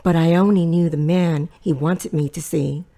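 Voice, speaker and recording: A woman's voice: sits low, steady tone, moderate pace, mellow. A woman playing a middle-aged, loving but pushy Latina mother in an audio drama, fussing and probing. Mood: grave, reflective.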